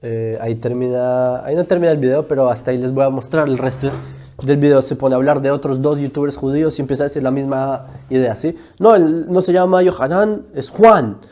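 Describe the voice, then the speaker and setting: A man's voice: mid-range voice, steady tone, quick pace, mellow. A man hosting his channel, casually talking viewers through a video he is playing. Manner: casual, addressing viewers directly. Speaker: channel host. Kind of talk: casual commentary over played video.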